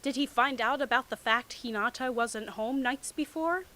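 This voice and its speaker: A woman's voice: on the high side, normal speed, fairly bright tone. A woman reading fan fiction aloud and breaking in with sarcastic, exasperated commentary. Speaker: online comedy commentator. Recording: amateur home recording with background static.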